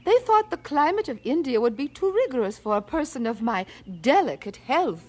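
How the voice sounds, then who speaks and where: A woman's voice: high voice, very animated, normal speed. An actress playing a frail, fond old missionary mother in her eighties, reminiscing wistfully in a Christian audio drama. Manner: wistful, gently dramatic storytelling with sighs.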